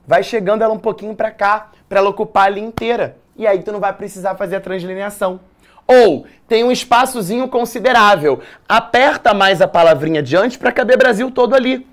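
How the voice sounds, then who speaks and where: Lively slangy male writing teacher. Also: high-pitched, brisk. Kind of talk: exam prep lesson.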